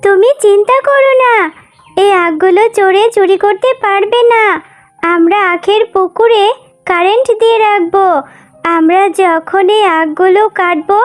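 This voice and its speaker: Woman as a very high-pitched little fox girl. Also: unhurried. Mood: reassuring. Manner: earnest, childlike. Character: young fox daughter, sweet, reassuring and clever. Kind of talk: Bengali cartoon voice acting. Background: music.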